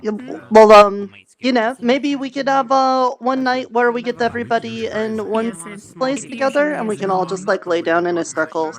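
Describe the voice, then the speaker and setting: A woman's voice: fairly high pitch, normal speed, natural voice, rough recording. A woman roleplaying an earnest, childlike church leader in a fantasy world, with simple, polite, hesitant phrasing. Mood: earnest, gentle. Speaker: roleplay streamer. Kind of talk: improvised in-character roleplay in a virtual world.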